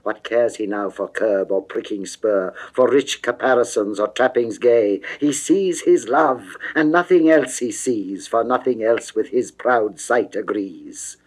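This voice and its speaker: Slow, theatrical male verse narrator. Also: on the low side. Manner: theatrical, declamatory, precisely phrased. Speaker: narrator, reader of poetry. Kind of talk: dramatic classical verse recitation.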